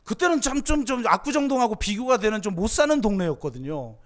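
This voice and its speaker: A middle-aged male pastor delivers a sermon in a high voice. He tells personal stories with feeling, dropping to near-hushed tones and then rising to impassioned pleas. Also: sing-song, fast. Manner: emotional storytelling, swings from hushed to impassioned.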